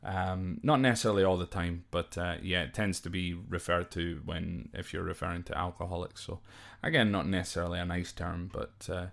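Deep, gravelly and a bit bright, this Scottish podcast host speaks briskly with fairly even intonation and few pauses. He's explaining slang from a list, informally and off the cuff, hesitating at times and occasionally spelling words out.

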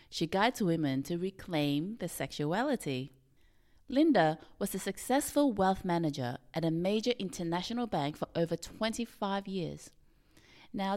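A woman hosting a podcast, introducing her guest and asking calm, measured questions. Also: on the low side. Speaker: podcast host. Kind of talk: podcast interview.

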